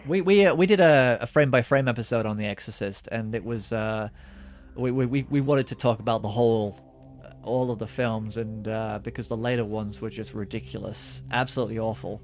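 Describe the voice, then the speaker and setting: A man's voice: fairly low pitch, a little fast. A man co-hosting a podcast, chatting casually with lots of fillers and restarts. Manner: rambling, many restarts and fillers. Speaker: podcast co-host. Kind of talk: casual chat.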